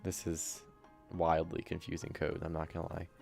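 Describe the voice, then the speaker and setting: A young man streaming while he codes, talking casually into a desk mic, halting and soft-spoken with a slightly raspy voice. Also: extremely low pitch, monotone, soft background music. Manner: halting, many restarts and fillers, soft-spoken. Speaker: streamer, software developer. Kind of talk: casual live coding chat. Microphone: desk microphone.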